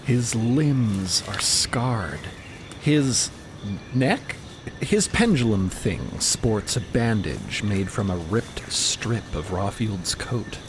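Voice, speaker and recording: A man's voice: lowish voice, sing-song, extremely slow, noisy background. A man narrating a fiction podcast as a storyteller.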